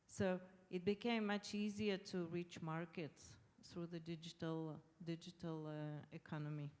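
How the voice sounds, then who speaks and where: A woman's voice: fairly low pitch, level tone, unhurried, darkish tone. A middle-aged woman from Israel, a native Hebrew speaker with an Israeli accent, explaining her points as a panelist. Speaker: panelist, government official. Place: large conference hall. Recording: long hall reverb.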